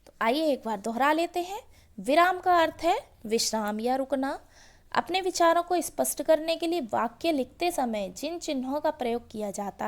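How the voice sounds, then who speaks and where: A woman teacher giving a grammar lesson, explaining slowly and asking questions before each example. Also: sits high.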